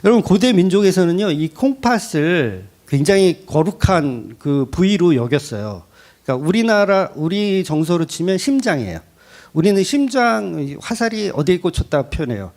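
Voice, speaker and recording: Male pastor, middle-aged, high voice with a wide melodic swing; animated sermon with acted-out quotes. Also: moderate pace. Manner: animated, acts out quoted speech with rhetorical questions.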